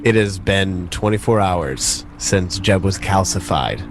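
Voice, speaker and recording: A man runs a tabletop game as game master in a lowish voice. He narrates at a slow pace, with faint music behind him. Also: animated.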